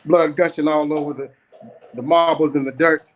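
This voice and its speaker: A man's voice: fairly high pitch, fairly even intonation, normal speed, slight background noise, low-quality recording. A middle-aged man performing spoken-word storytelling at an open mic, dramatic, with rhythmic repetition.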